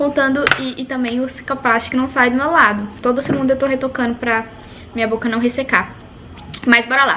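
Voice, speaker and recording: A woman talks at a fairly quick pace against noticeable background noise. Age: 20s. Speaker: medical student and vlogger. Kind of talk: study vlog. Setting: at home at desk.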